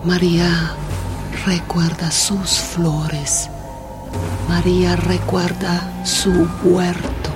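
An actress playing a wistful rural Mexican woman in a radio play, chanting her memories in repeated phrases. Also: fairly low pitch. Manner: incantatory repetition, speaking of herself in third person. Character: wistful rural woman longing for home and family. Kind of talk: poetic radio theatre monologue.

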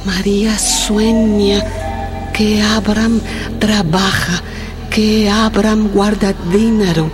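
A woman's voice: medium pitch, little pitch movement, slow, over music, close to an everyday voice. An actress playing a wistful rural Mexican woman in a radio play, chanting her memories in repeated phrases. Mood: wistful, dreamy. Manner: incantatory repetition, speaking of herself in third person. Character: wistful rural woman longing for home and family. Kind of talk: poetic radio theatre monologue.

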